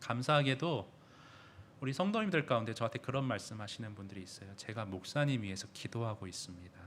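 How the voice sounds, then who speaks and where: At a very fast pace, a man speaks at medium pitch with lively intonation and big swings in loudness. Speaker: pastor. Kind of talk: sermon. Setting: church. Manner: strong forceful intonation.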